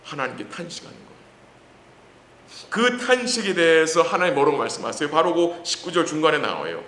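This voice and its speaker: A man's voice: fairly high pitch, very animated, bright, forceful tone. Male pastor preaching in a roomy church. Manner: asks the congregation rhetorical questions and answers them; reads scripture slowly and deliberately. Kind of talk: sermon at a midweek church service. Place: church sanctuary. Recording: roomy church hall with faint background noise.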